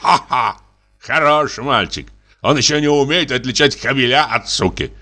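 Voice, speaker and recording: A man's voice: medium pitch, normal speed, pushed and bright, voice pushed up, close to an everyday voice. A man voicing a boastful, pushy, middle-aged army lieutenant who is drinking, exclamatory and wheedling. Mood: boasting. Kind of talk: audiobook character reading.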